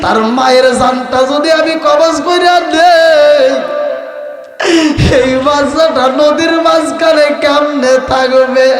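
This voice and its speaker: A man's voice: extremely high pitch, steady tone, takes it slowly, full character voice. A man voicing a weeping male angel of death, pleading, in an echoey recording with music behind. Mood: tearful pleading. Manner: sobbing, chanted pleading.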